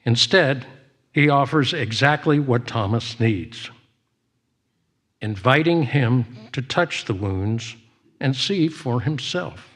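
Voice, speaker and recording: A man leading a church service, giving announcements and devotional readings in a measured way with frequent pauses. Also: mid-range voice, expressive, a bit bright.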